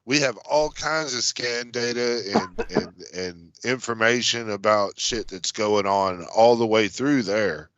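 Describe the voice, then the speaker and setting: Rambling, swearing tabletop player. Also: male voice, on the low side, slow pace, hardly any pauses, a bit bright, clear, resonant tone, no echo, dull audio. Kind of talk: casual tabletop play.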